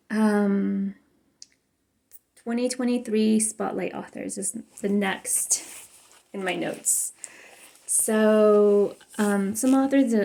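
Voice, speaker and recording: Young mexican woman rambling happily, gravelly and mellow, spanish is her first language. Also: mid-range voice. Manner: chatty, effusive, many fillers and restarts. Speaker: book vlogger. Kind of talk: casual chat to camera.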